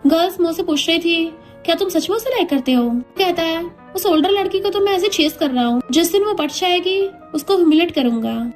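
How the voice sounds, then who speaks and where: A woman with a very high voice recaps a drama in a chatty storytelling way. She speaks each character's lines in her own voice. Faint music plays behind her. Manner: lively, voices every character in the same voice.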